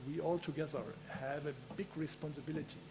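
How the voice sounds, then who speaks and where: A man giving a conference talk in a halting way, with many filler pauses and a gravelly voice. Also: on the high side, fairly even intonation, background noise. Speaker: conference speaker.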